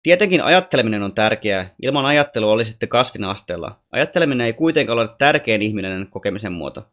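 A man voicing a wise, gentle alien boy who teaches calmly and patiently. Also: on the low side. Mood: gently teaching.

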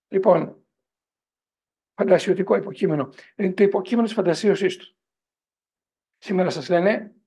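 A middle-aged priest and professor lecturing a parents' group in a digressive style, often asking the audience whether they agree. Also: male voice, sits high, gravelly, husky. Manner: animated, digressive storytelling.

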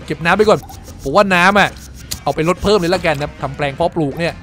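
A man giving casual gameplay commentary, excitable, swearing freely and exclaiming as he plays. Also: fairly high pitch, quick pace, faint music behind. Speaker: gameplay streamer.

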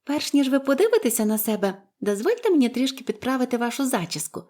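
Fast-talking and full of big pitch swings, a woman's reading of a chatty little orphan girl from a storybook gushes with eager delight. The voice is bright and pitched far higher than an ordinary adult's.

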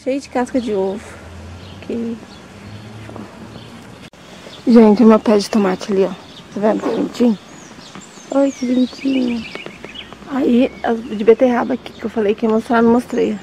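A woman's voice: a little high, fairly even intonation, normal speed, creaky, mellow, a little hiss or hum, poor audio. A young Brazilian woman chatting casually to her viewers while walking through her vegetable garden and pointing things out. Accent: Brazilian Portuguese. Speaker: vlogger. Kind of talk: casual vlog chat to viewers. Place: outdoors in a vegetable garden on a farm.

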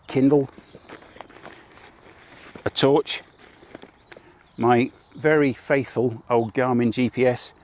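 Opening with a mock advert, a casual vlog features an older man from Britain showing off his motorcycle kit in a campsite car park. The motorcycle travel vlogger speaks into a lapel radio mic in a mid-range, darkish voice, chatty, wry and quick with self-deprecating jokes.

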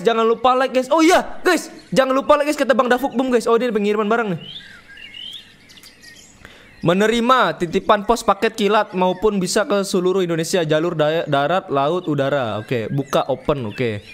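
A man's voice: high-pitched, normal speed, fairly bright tone. A young man, streaming a horror game with rowdy, joking, slangy commentary and reading the game's text aloud. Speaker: gaming streamer.

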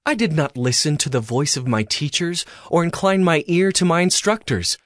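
A man's voice: fairly high pitch, animated, normal speed, fairly bright tone, no echo, clean studio sound. An actor playing a ruined man who laments his folly with regret, in a dramatized audio Bible. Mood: anguished regret.

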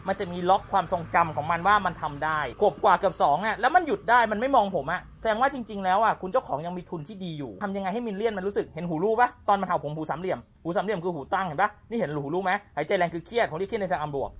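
A man's voice: sits high, lively intonation, fairly bright tone, slightly rough. A man working as a dog trainer who explains behaviour on site to an owner. He talks emphatically and keeps checking that the listener follows. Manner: brisk, emphatic, keeps asking the listener to confirm.

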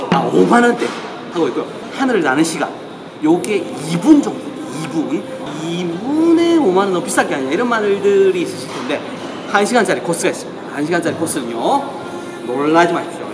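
A man's voice: fairly high pitch, noisy background. A man in his forties presenting a vlog to camera in an exclamatory, showman-like way. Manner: exclamatory, theatrical showman delivery. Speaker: video show host. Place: on location, outdoors and in a large indoor hall. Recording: loud music over the voice. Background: loud music.

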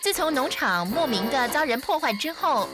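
A woman's voice: high-pitched, lively intonation, normal speed, music in the background. A woman narrating a scripted story for children as a storyteller.

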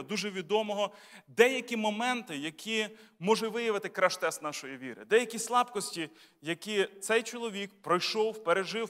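A bishop preaching a sermon in a church, talking to the congregation in a conversational, lightly humorous way with many rhetorical questions. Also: male voice, sits high, a bit bright. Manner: lightly humorous, tells jokes. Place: church sanctuary. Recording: long church reverb.

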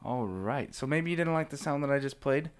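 A man narrating a software tutorial informally, explaining things step by step. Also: mid-range voice, expressive, fairly quick, clean tone. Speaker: tutorial presenter.

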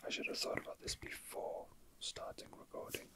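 In a whispered ASMR video, the creator, a man, murmurs in a soft, breathy way while he chats and reads facts aloud. He takes his time, sounding slow and a little hesitant.

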